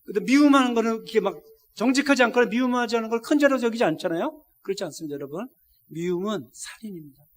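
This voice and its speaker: Very high-voiced middle-aged preacher man. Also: animated, quick pace. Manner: emotional storytelling, directly addressing the congregation. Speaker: missionary preacher. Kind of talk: sermon. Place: church service.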